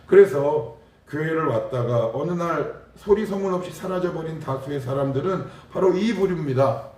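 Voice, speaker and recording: A man's voice: a little high, expressive, moderate pace, darkish tone. A man preaching a sermon as pastor, putting earnest rhetorical questions to the congregation in a church hall. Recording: roomy echo, distant mic.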